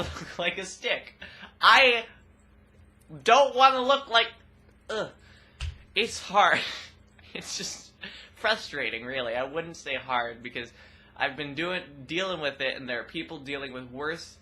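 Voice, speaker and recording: A young trans woman with a rather deep voice, talking expressively and loudly in a casual personal vlog. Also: slow pace. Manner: expressive, loud, laughs often. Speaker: vlogger.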